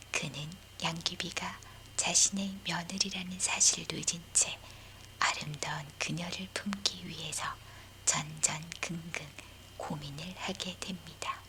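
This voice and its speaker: A woman narrating a scripted historical bedtime story in a breathy, unvoiced whisper. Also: lowish voice, sharp tone, a little hiss or hum.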